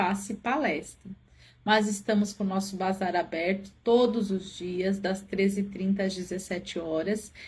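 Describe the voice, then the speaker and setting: A soft-spoken woman talks at a medium pitch and a moderate pace. Her voice is somewhat breathy. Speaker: spiritist study group leader. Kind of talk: livestream welcome and announcements. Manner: warm, friendly.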